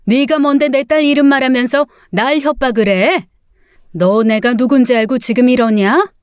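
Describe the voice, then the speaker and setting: Woman doing a fierce middle-aged mother, scolding, blustering, storybook reading, smooth high voice. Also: moderate pace, no room sound, studio quality, natural voice. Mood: defiant. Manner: sharp scolding, blustering bluff.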